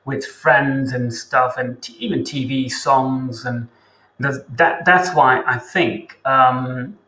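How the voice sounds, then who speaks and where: A man who teaches English hosts a casual interview chat, talking in a chatty way and thinking aloud with pauses. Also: mid-range voice, bright, forceful tone, roomy sound, rough recording.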